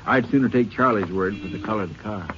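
A man's voice: fairly low pitch, quick pace, lightly acted. A man acting as an easygoing small-town sheriff with a rural American accent in a 1950s radio drama, plain-spoken and neighborly. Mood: practical. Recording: dull, noisy old radio recording.

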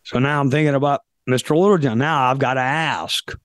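Hoarse guy doing his podcast, slow and thoughtful, lots of uhs, medium pitch, dry sound. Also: steady tone, a bit bright, no echo. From South Carolina, US. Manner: deliberate, pausing often with fillers. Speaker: podcast host. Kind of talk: reflective podcast monologue.

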